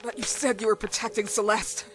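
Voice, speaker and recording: A woman's voice: mid-range voice, flat delivery, fairly quick, natural voice, poor audio. An actress playing a determined woman investigator in a horror game, pressing and confrontational as she questions a suspect. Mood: probing, insistent. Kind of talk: dramatic horror game acting. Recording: music under the voice.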